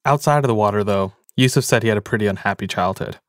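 A man's voice: fairly low pitch, fast, no echo, studio quality. A man, a podcast producer, narrating a story in a casual, reflective way with frequent fillers.

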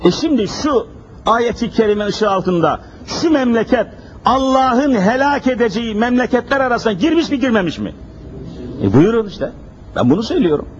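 A man preaches a sermon into a pulpit microphone, emphatic and piling on repeated rhetorical questions. His voice is very high and very animated at a moderate pace, captured in a dull lo-fi recording with faint hiss.

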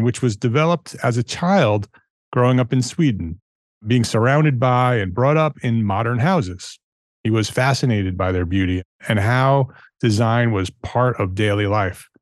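A man's voice: medium pitch, no room sound, studio quality. Man hosting an architecture podcast. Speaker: podcast host. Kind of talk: podcast interview and promo reads.

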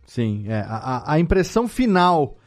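A man's voice: fairly high pitch, big pitch swings, a little slow, faint music behind. A man with a Brazilian accent hosting a podcast, giving short, casual responses as he listens. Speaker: podcast host.

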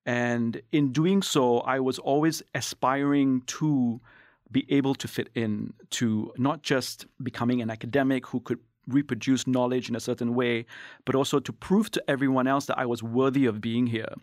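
A man from Singapore, an anthropologist, giving thoughtful, measured answers in an interview. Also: mid-range voice, dry recording, clean studio sound. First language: English. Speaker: guest, anthropologist. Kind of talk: reflective interview talk.

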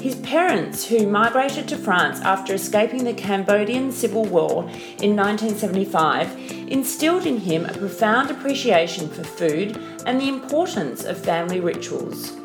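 A woman, a business coach, hosting a podcast and introducing her guest with an upbeat, animated manner. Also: mid-range voice, moderate pace, few pauses. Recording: roomy with music behind.

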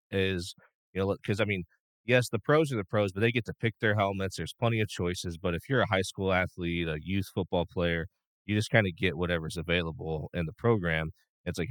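Deep-voiced man talking sports. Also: dry recording. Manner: animated opinions, many fillers and restarts. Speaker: co-host of a sports talk show. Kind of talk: casual sports talk.

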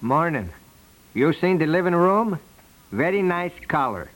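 A man's voice: a little high, very animated, unhurried, fairly bright tone, poor audio. A man playing a stubborn, unimpressed house painter in a 1950s radio comedy, blunt and repetitive. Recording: vintage 1950s radio recording.

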